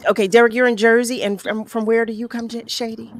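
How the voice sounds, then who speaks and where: A woman's voice: fairly high pitch, little pitch movement, fast talker. A woman hosting a talk show, friendly and chatty, asking her guests questions. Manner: friendly, laughing, asks questions. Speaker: host. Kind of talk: casual talk show interview.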